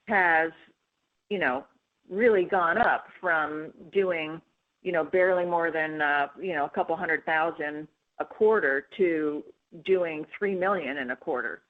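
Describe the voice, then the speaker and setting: A woman executive answering analyst questions on an earnings call, in a conversational way with frequent fillers. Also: fairly low pitch. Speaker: company executive. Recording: tinny phone line.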